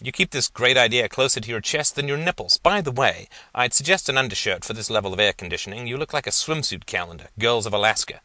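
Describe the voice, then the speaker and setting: A wisecracking young guy, sarcastic and teasing, tossing off jokes at his friend in a storybook reading, as a man voices him. The tone is bright and pushy, with a dry, close sound. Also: medium pitch, expressive, fast, few pauses, no room sound. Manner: sarcastic, joking.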